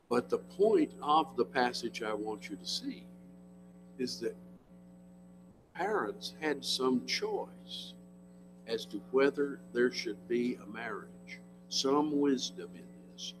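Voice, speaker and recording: A man's voice: mid-range voice, big pitch swings, slow pace, pauses often, over music, rough recording. An American man in his seventies preaching a sermon to a congregation in a folksy, plain-spoken, emphatic way, often putting questions to his listeners. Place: church, in front of a congregation.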